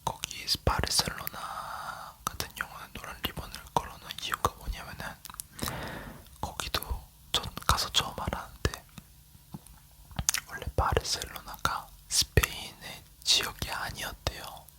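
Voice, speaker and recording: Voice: measured pace, sharp tone. An ASMR creator from South Korea leaning in to whisper, chatting casually as they tell a travel story.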